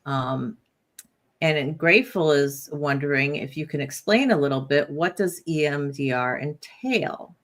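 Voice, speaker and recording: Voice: mid-range voice, unhurried, a bit bright. A host of a live-stream interview, supportive in tone, reading out viewer comments between questions.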